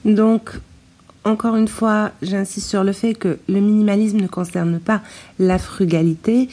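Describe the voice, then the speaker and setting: A woman with a low, mellow voice hosts a casual solo podcast, speaking straight to her listener. She hesitates often and fills her pauses. The sound is low quality, captured on a tablet's built-in mic after her microphone broke. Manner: hesitant, many filler sounds, addresses listener directly. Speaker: podcast host.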